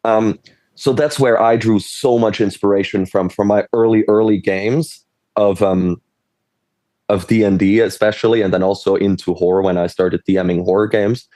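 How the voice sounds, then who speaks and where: On a relaxed panel discussion, this game designer from Switzerland meanders, often stopping mid-thought with a laugh. He talks at a moderate pace in a fairly low, dark voice with fairly even intonation, on a dry recording.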